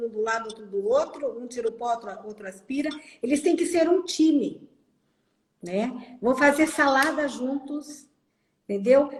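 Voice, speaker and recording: High-voiced woman in an echoey room. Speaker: host. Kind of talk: casual interview chat.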